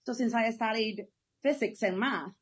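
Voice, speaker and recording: Enthusiastic woman from Ecuador, fairly high voice. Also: moderate pace, slightly rough. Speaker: guest. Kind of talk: casual conversational interview.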